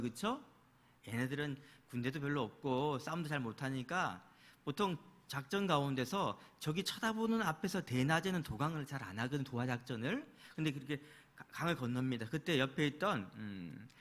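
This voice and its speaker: A man's voice: mid-range voice, fairly bright tone. A man preaching a sermon as pastor, telling a story, acting out the quoted voices and putting rhetorical questions to his congregation.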